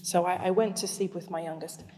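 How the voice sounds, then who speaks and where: A woman's voice: on the low side, steady tone, a little fast, warm tone, a little hiss or hum. A woman in her forties who grew up in Zimbabwe, speaking at a community event. She asks the audience questions, then tells a personal story. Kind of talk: storytelling talk to a live audience. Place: large hall with an audience. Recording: long reverb of a large hall.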